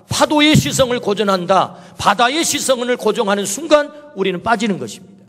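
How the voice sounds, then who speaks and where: In a church sanctuary, a male pastor preaches a sermon, asking many rhetorical questions and quoting Jesus in a personal, spoken manner. His voice sits high with a fairly bright tone, and the hall is reverberant.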